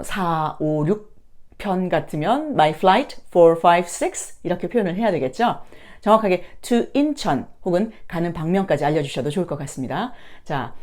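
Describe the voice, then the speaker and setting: A woman's voice: on the low side, darkish tone. A woman giving an instructional lesson as a teacher and host, politely explaining and carefully pronouncing example phrases. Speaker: English teacher and video host.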